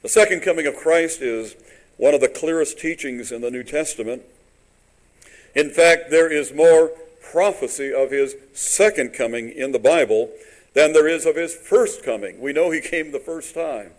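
A man preaching a sermon in a church, his voice rough, often halting with fillers and restarts. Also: fairly high pitch, poor audio. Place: church sanctuary.

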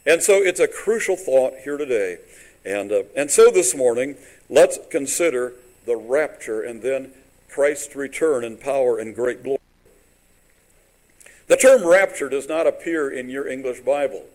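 A man preaching a sermon in a church, his voice rough, often halting with fillers and restarts. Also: medium pitch, expressive, a little mellow, poor audio. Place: church sanctuary.

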